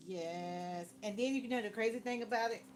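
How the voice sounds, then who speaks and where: A woman's voice: fairly high pitch, normal speed, slight background noise. A woman doing a casual tarot card reading. She reads the card text aloud and then chats and reacts to it. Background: background music.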